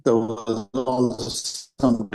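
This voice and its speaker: A man's voice: medium pitch, completely flat delivery, extremely slow, darkish tone, slight background noise. A man on a breaking-up call line asks an earnings call question, hesitant and full of fillers, while his audio drops out. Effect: breaking-up call line, audio cutting out.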